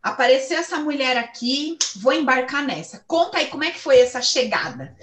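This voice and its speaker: A woman in her thirties with a Brazilian accent, giving a blunt, animated motivational talk and swearing freely. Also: high voice, a little fast, echoey room. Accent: Brazilian Portuguese. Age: 30s. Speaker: host and coach.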